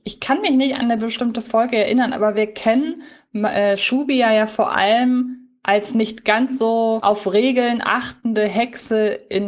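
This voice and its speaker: A woman chatting casually as a podcast host, giving a review. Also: on the high side.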